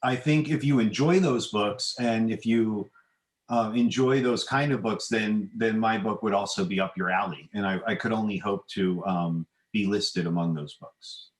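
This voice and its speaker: A middle-aged man, an author and podcast guest, answering in a hesitant, measured, modest way, with a roomy, echoing sound. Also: fairly low pitch. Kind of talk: conversational interview answers.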